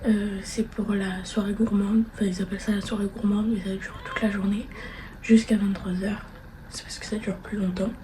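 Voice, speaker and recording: A soft-spoken woman with a medium-pitched voice talks at a fairly quick pace in a flat monotone, her loudness swinging widely, with noticeable background noise. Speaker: vlogger. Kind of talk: casual vlog chat.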